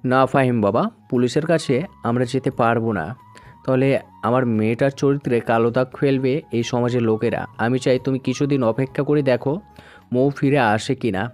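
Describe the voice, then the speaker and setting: A man's voice: medium pitch, moderate pace, darkish tone, soft background music, natural voice. A middle-aged man voicing a worried father who answers hesitantly and placatingly in an audio story. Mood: anxious.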